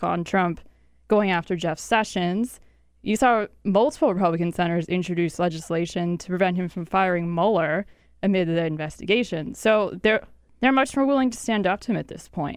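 A woman speaks at a moderate pace in an ordinary speaking voice, her medium pitch moving with ordinary variation over a quiet background. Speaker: congressional reporter. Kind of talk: political talk radio discussion. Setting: studio.

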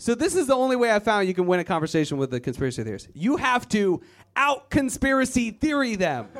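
A man talks at a very fast pace with an American accent. His pitch is high and swings very widely. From US South. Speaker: stand-up comedian. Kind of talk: stand-up. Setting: stage with audience.

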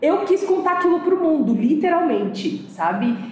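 Over noticeable background noise, a woman speaks at a fairly slow pace with very wide pitch swings. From Brazil, Belo Horizonte. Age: 40s. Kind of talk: casual interview chat.

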